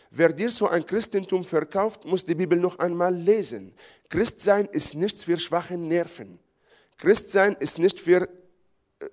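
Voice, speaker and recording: A man's voice: fairly high pitch, a little mellow. A middle-aged man from Israel, preaching a sermon emphatically in repeated phrases. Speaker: pastor.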